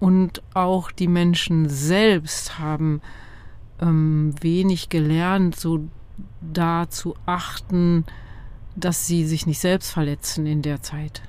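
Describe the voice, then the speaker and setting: This woman's voice sits fairly low and stays flat and monotone. She talks very slowly. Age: 60s. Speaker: retired doctor. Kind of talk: casual interview. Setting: outdoors by the sea.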